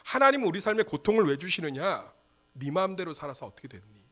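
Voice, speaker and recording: A man's voice: high-pitched, sing-song, fast. A male pastor preaching a Sunday sermon in a church, asking the congregation questions and acting out prayers. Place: church sanctuary.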